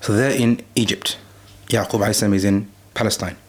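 A man's voice: lowish voice, husky. A man reciting scripture, then explaining it in casual podcast talk. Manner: fast, flat delivery, switching between chanted Arabic and English explanation. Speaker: podcast guest, Quran reciter.

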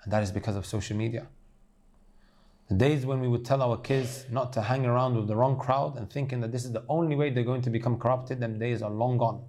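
Dark-voiced man preaching a sermon. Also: mid-range voice, steady tone, fairly quick. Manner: earnest, addresses listeners as brothers and sisters.

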